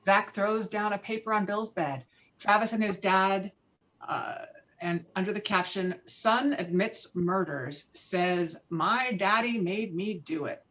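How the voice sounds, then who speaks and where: A woman's voice: mid-range voice, measured pace, fairly bright tone. A woman reading screenplay stage directions as a narrator, in scripted narration over a video call. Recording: dull, lo-fi online call audio.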